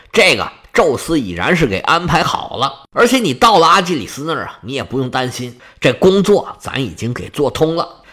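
A man voicing a divine messenger goddess, giving brisk, bossy instructions. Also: on the high side, sharp tone, voice pushed down.

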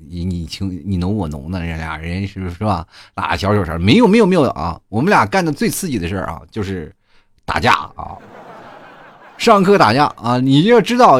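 A young man from Inner Mongolia, hosting a comedy podcast and telling funny school stories in a chatty, animated way, full of asides to listeners. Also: on the low side, no echo, studio quality. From Inner Mongolia, China. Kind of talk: comic storytelling monologue.

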